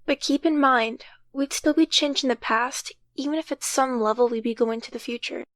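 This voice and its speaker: A woman's voice: sits high, moderate pace, dry recording, natural voice. A woman playing an earnest, cautious young time traveler who takes charge and explains things carefully in an audio drama. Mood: explaining, thoughtful.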